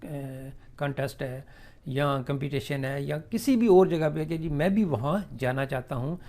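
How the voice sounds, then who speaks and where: Male English teacher with a raised, gravelly voice. Drags out each model sentence, then explains it in a chatty, filler-heavy way. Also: fairly high pitch, warm tone. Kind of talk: spoken English lesson explained in Urdu.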